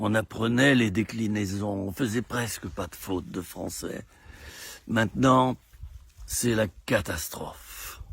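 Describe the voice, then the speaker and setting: Somewhat breathy and fairly low-pitched, a man talks at a very slow pace with ordinary pitch variation, big swings in loudness, and long, frequent pauses. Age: 60s. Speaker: video blogger. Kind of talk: casual monologue to camera. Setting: outdoors in countryside. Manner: animated.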